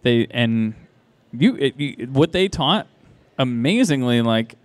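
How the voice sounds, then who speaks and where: A man who runs a convention talks as a guest on a live podcast stage. His voice is mid-pitched, and his stories ramble through restarts and asides. The sound is dry and close. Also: expressive, takes it slowly, no echo. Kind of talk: casual anecdotal storytelling.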